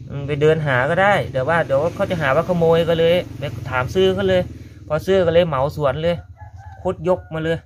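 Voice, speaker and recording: A man's voice: fairly high pitch, slight background noise. A man with a Korat Thai accent, talking viewers through a gardening task in a casual how-to vlog and addressing them as brothers and sisters. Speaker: gardening vlogger.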